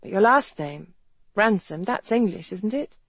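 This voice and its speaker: Woman voicing a gentle, inquisitive young lady. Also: medium pitch, expressive, a little slow, no echo, voice pushed up. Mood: curious. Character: gentle, curious, skeptical slim young woman.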